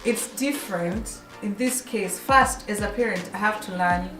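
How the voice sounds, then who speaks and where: A woman's voice: mid-range voice, moderate pace, echoey room, distant mic, music in the background. A woman from Kenya whose first language is Kikuyu, hosting a radio show in a chatty way, often repeating and restarting words. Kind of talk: casual radio chat.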